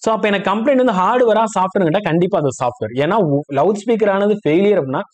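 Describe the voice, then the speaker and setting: A man with a fairly high voice speaks very quickly as an instructor. He explains things step by step, pausing to check that the listener follows. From India. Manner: explanatory, checks understanding with short questions. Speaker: phone repair instructor. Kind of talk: spoken tutorial, step-by-step explanation.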